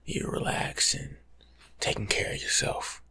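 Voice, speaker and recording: A young American man doing a casual, slangy ASMR life coach roleplay in a hushed, breathy half-whisper, close to the mic. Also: a little slow. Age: young adult. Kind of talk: ASMR roleplay monologue, softly spoken and whispered. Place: small room at home, indoors.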